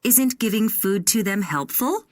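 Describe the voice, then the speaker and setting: A woman voicing a daughter on a hike in a recorded listening-test dialogue, bright and eager. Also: medium pitch, animated, drawn-out words, no echo. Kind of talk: scripted exam dialogue.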